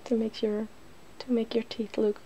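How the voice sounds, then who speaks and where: A woman with a fairly high, soft and mellow voice hosts a casual ASMR demonstration. She is chatty and giggly and often drifts toward a whisper. There is faint noise behind her. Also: level tone, moderate pace, rough recording. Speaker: ASMR video host.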